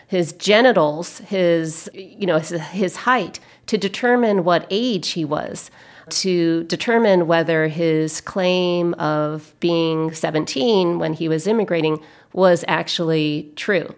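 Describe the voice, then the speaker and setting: An American woman, a historian in an interview, answers thoughtfully in a voice on the low side. Her phrasing is measured, deliberate and halting.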